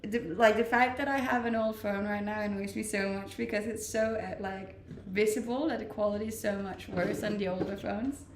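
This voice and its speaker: A woman's voice: mid-range voice, steady tone, normal speed, few pauses, recorded from a distance. A woman in her twenties from Denmark, live streaming and chatting casually with viewers while reading comments, laughing often and restarting her sentences. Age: 20s. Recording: roomy echo, voice off-mic, faint noise.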